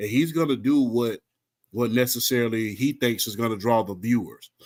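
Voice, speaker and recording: A man is speaking. His pitch is medium. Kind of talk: casual chat. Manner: fast.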